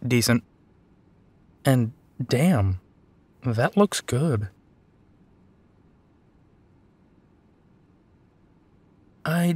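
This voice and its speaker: Slow, gentle werewolf detective, played by a man. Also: mid-range voice, no echo, natural voice. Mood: tender, flustered. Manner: soft, halting, sighing delivery. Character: gentle, protective werewolf detective, weary and tender. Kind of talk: intimate scripted audio roleplay.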